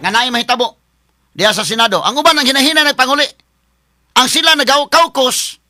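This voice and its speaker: A man's voice: extremely high pitch, quick pace, pushed and bright, faint music behind. A man with a Cebuano accent hosting a casual political commentary vlog, chatting to viewers as friends.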